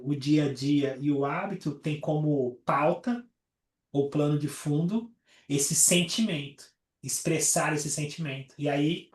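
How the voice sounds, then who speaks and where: A man leads a study group on a call and teaches in a relaxed, chatty way. His voice sits a little high. He is heard from a distance in a roomy, echoing space. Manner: explains with everyday examples, many fillers like "né". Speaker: astrologer leading a study group. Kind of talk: casual teaching talk.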